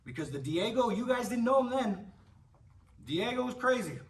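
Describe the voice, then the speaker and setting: A man giving an animated, emphatic black belt ceremony speech to his martial arts class, swearing freely. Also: very high-pitched, moderate pace. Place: martial arts gym, indoors. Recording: distant voice with faint room noise.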